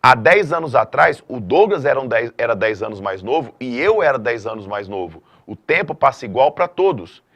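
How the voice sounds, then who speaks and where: Middle-aged male math teacher, mid-pitched, lively and emphatic lesson delivery. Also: normal speed, hardly any pauses. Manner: lively, emphatic classroom delivery with frequent checks like "tá?". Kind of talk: video lesson.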